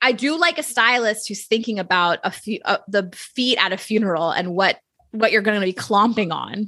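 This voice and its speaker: Against a quiet background, a woman with a slight Miami accent speaks at a moderate pace in a bright, sharp tone with ordinary pitch variation. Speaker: podcast co-host. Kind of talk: casual chat, comedic podcast banter.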